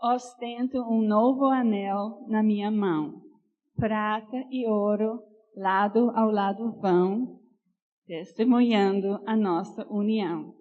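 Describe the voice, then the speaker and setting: An older woman from Canada with a Northeastern Brazilian accent, calmly sharing her life story in church and reading a poem. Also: medium pitch, takes it slowly, narrow, tinny audio. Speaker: pastor's wife sharing testimony.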